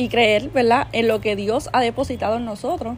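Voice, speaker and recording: Her pace is moderate as a woman talks. Her voice sits high in pitch. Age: 20s. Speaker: podcast host. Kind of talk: solo motivational monologue.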